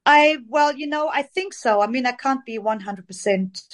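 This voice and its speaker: Over a remote call, a female singer from Zambia answers casual interview questions, chatting and rambling with lots of fillers. Her voice is high-pitched and her pace moderate.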